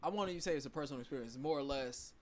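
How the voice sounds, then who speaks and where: A man co-hosting a casual group podcast, talking in halting, searching stretches and losing his train of thought. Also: mid-range voice. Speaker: podcast co-host.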